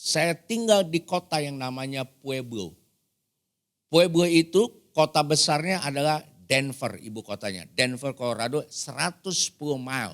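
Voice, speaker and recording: A man with a fairly high pitch and lively intonation speaks at a fairly slow pace, the sound dry and close with no echo. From Indonesia, Batak (North Sumatra). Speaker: pastor. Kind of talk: sermon. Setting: church with congregation. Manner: loud, shouting; high-pitched.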